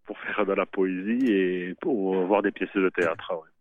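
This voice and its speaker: Low-voiced man on a tinny line. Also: fairly even intonation, a little slow, no echo. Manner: hesitant, colloquial, tag words at phrase ends. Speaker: interviewee, member of the public. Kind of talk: casual spontaneous chat. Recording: tinny phone-like radio line.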